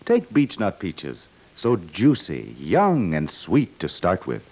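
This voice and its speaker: A man's voice: deep voice, huge pitch swings, takes it slowly, darkish tone. A man reading a scripted 1950s radio commercial as an announcer. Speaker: advertising announcer. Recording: dull 1950s radio recording.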